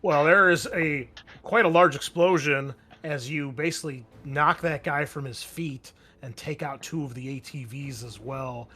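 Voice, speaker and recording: A man's voice: a little high, measured pace, hardly any pauses, pushed and bright. A man running an online tabletop roleplaying game, explaining things in a casual way. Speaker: game master.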